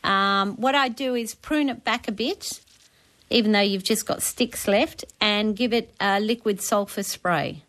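A woman's voice: mid-range voice, unhurried, a bit bright. An Australian woman on talkback radio, giving practical advice in a chatty, colloquial way as the resident expert. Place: radio studio.

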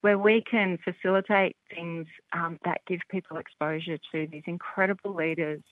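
A woman's voice: fairly low pitch, steady tone, normal speed, no echo. An Australian woman talks with upbeat enthusiasm, peppering her answers with "um" and "look". The sound is thin and tinny, squeezed through a phone line. Her voice is dry and close. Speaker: rugby development representative. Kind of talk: phone interview guest.

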